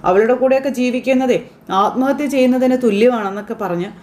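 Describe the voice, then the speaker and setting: A woman voicing a bitter, scheming middle-aged mother who turns her son against his wife, read slowly with light acting. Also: on the high side, a little mellow, natural voice. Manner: slow, lightly acted reading of reported lines.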